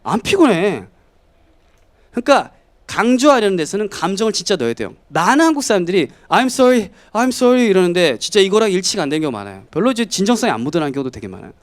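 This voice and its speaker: A man in his thirties from South Korea giving a lively lecture to students, often acting out quoted voices. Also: high-pitched, very fast. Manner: animated, acts out students and family in quoted voices. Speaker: English lecturer.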